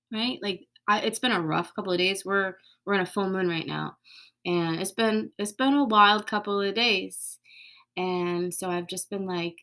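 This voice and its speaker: Gravelly-voiced woman musing candidly. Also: medium pitch. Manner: candid, swears casually, drops to soft whispers. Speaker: podcast host. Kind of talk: casual reflective monologue.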